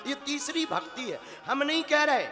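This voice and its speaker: A man with a very high, bright, ringing voice delivers a devotional sermon at a slow, deliberate pace. He chants verses between his talk and breaks into loud, emphatic bursts. The voice carries a long hall reverb over faint instrumental music. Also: big pitch swings. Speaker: preacher.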